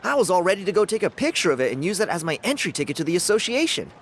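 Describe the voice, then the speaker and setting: A man's voice: sits high, very animated, very fast, slight background noise. A man voicing a cocky, friendly young tribal dancer in a video game, talking in an easygoing, boastful way. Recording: game audio with loud music underneath.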